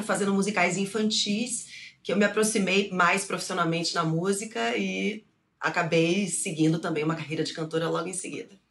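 A woman's voice: medium pitch, a bit bright. A woman in her fifties from Bahia, a guest actress and singer telling stories in a talk show interview.

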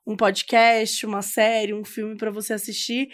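A woman with a Brazilian Portuguese accent co-hosting a podcast in animated, playful casual chat. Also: medium pitch, moderate pace. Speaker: podcast co-host.

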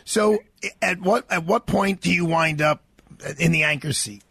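A man, hosting a radio interview in a casual, conversational way with a husky voice. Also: high voice, measured pace, sharp tone. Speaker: radio talk show host.

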